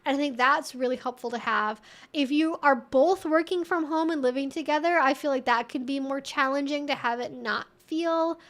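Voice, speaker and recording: A woman's voice: high voice, normal speed, fairly bright tone. A woman hosting a casual Q&A, giving conversational advice in an informal, rambling way with frequent asides. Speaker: livestream host and relationship educator answering viewer questions.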